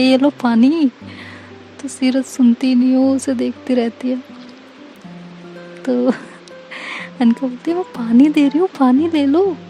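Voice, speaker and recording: Woman storyteller, high pitch, mellow tone, flat melody, relaxed conversational narration. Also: vocal fry, rough recording. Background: faint music.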